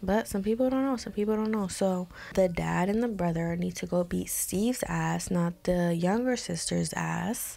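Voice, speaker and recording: A woman talks with an animated tone. She keeps a moderate pace with hardly any pauses. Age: 20s. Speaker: YouTuber giving advice and reading viewer stories; YouTuber giving advice. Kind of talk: casual advice vlog with read-out stories. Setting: home video recording to camera. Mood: animated, opinionated. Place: home room. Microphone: studio mic.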